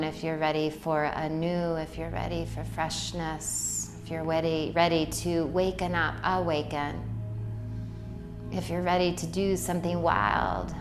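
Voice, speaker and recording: A woman leading a guided meditation in a poetic, soothing way, with deliberate phrasing and long pauses. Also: low voice. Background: music.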